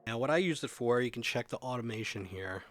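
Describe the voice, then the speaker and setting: A man's voice: mid-range voice, animated, fast talker, no echo. A man presenting a music production tutorial in an informal, conversational way, explaining things step by step.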